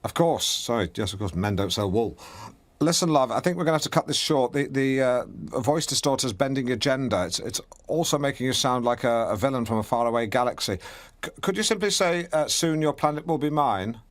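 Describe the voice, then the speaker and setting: A man's voice: medium pitch, expressive, brisk, natural voice. A self-important, middle-aged local radio host, as an actor plays him. He rambles and stumbles into awkward remarks, pompous from start to finish. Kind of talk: local radio show hosting.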